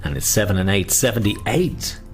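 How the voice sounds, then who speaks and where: A man hosting an online game as a bingo caller, with chatty, jokey patter and drawn-out number calls using traditional nicknames. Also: fairly low pitch, big pitch swings, soft background music.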